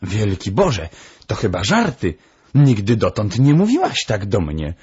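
A man voicing an eager, kindly middle-aged male doctor who gets excited, in a storybook audiobook. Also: low-pitched, unhurried, breathy edge, lo-fi sound, exaggerated voice.

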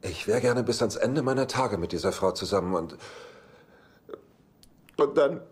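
An actor in a German sitcom dub playing a heartbroken, impulsive womanizer with a halting, dryly flippant way of talking. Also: on the low side, animated, lightly acted. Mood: wistful. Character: heartbroken, wisecracking womanizing bachelor, impulsive and self-pitying. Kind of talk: German-dubbed sitcom acting.

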